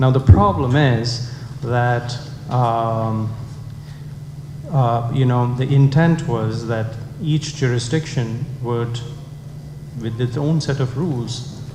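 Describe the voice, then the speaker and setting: A man with a non-native accent, medium pitch and fairly even intonation, at a very slow pace with long, frequent pauses, amid audible room echo and noticeable background noise. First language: not English. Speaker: conference panelist. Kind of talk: panel discussion. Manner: halting, many fillers.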